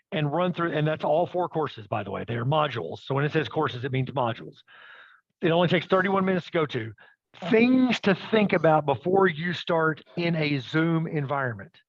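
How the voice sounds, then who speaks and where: A man's voice: a little high, dry recording, dull audio. A man presenting a live webinar demo, upbeat and checking in with the audience as he goes. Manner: upbeat, addresses audience with "okay?" and "right?".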